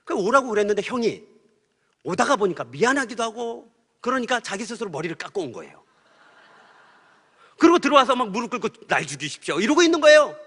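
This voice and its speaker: Animated, bright-voiced male preacher in a reverberant hall. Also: very high-pitched, a little fast, pauses often, husky. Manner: animated, swings from hushed storytelling to loud outbursts. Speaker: pastor. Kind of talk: sermon with storytelling.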